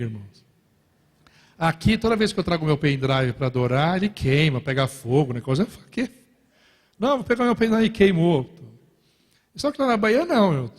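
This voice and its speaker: Pastor with a high voice in a reverberant church. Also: male voice. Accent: Brazilian Portuguese. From Brazil. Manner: lively, joking storytelling with repeated "irmãos" asides. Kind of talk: sermon. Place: large church hall.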